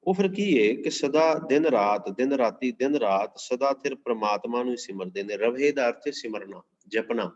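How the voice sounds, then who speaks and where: A man with a Punjabi accent teaching an online scripture class. He recites each verse slowly, then explains it line by line in plain conversational speech. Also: mid-range voice, animated. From Punjab, India. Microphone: computer mic during a screen-shared class. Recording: slightly dull lo-fi sound.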